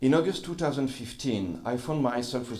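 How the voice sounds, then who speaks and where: Audible room echo surrounds the recording. A man speaks with a French accent. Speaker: journalist. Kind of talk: conference talk. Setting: conference hall with audience. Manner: halting.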